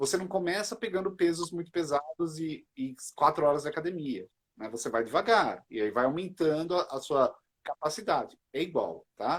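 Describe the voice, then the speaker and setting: A man speaks in an ordinary speaking voice at a fairly high pitch. His intonation is lively and his pace is moderate. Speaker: holistic therapist. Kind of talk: live online talk and breathing tutorial. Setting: live stream.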